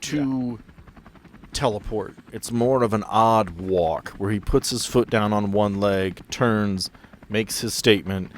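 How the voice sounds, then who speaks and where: A man with a fairly low voice runs a tabletop game. He describes scenes as game master and guides the players. Faint noise sits behind him.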